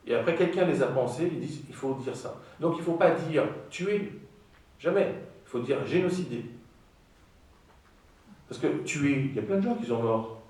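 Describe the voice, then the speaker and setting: A man's voice: on the high side, expressive, normal speed, long pauses, darkish tone. A man giving a public lecture in an auditorium, speaking emphatically and putting rhetorical questions to the audience. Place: large auditorium. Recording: echoey auditorium from far off.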